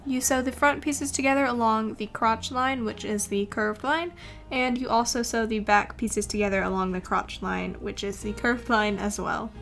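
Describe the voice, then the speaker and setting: A woman's voice: on the high side, steady tone, normal speed, vocal fry, a bit bright. A young adult woman reading a tutorial voice-over, explaining things step by step.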